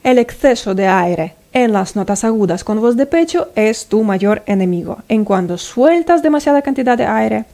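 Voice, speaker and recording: A woman's voice: fairly high pitch, lively intonation, moderate pace, few pauses, mellow. A woman singing teacher explaining vocal technique step by step and checking in with the listener.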